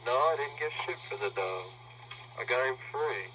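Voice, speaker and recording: A man's voice: medium pitch, animated, normal speed. A man on a phone call, talking bluntly and defensively, swearing casually. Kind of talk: tense phone conversation. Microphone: telephone. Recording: muffled phone recording with loud hiss.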